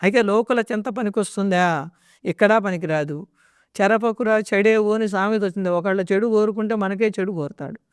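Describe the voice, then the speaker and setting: Woman devotional speaker, unhurried storyteller, smooth resonant voice, dry close sound. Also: mid-range voice, dry recording. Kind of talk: religious discourse with storytelling.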